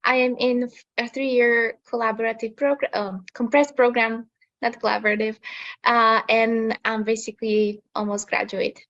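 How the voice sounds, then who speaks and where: A woman, a nursing student answering panel questions earnestly in slightly halting English. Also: a little high, flat delivery, fairly bright tone, lo-fi sound. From Slovakia.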